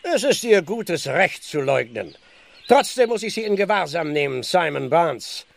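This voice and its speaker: Officious village constable, high creaky voice. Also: male voice, sing-song, unhurried, exaggerated voice. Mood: stern. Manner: formal, pompous, fussy. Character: officious, blustering English village police constable. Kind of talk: German audio drama acting.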